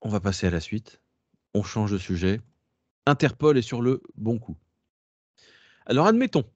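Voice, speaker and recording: A man's voice: fairly low pitch, expressive, normal speed, dry recording. A man giving a casual workshop talk to a class, digressive, slangy and chatty. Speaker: workshop presenter. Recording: dull lo-fi dry recording.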